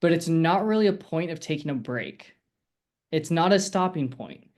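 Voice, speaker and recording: A man's voice: fairly high pitch, expressive, normal speed, a little mellow. Chatty man coaching on a video call. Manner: casual, rambling, encouraging with many fillers. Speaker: sales coach.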